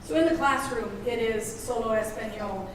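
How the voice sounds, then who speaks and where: A woman's voice: fairly high pitch, normal speed. A woman leading a tour of an elementary school, talking in a chatty, upbeat way. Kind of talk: casual tour talk. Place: school hallways and classrooms. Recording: echoey school rooms from a distance with noise.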